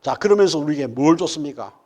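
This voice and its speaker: Speaking fast and expressively, a male pastor preaches a sermon in a church sanctuary and fires rhetorical questions at the congregation. He moves from loud, emphatic bursts down to low, murmured asides.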